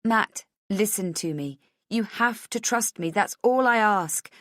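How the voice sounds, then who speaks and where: A woman's voice: medium pitch, lively intonation, a little slow, dry recording, studio quality, pitched above the performer's own voice, close to an everyday voice. A woman voicing a frantic, desperate woman in a dramatic audiobook, speaking urgently and insistently as if pleading to be believed. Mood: earnest, desperate. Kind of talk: dramatic audiobook character dialogue.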